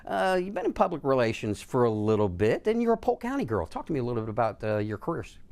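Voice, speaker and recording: A man hosting a studio interview show, asking casual questions with halting "uh"s and restarts. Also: mid-range voice, very animated, darkish tone.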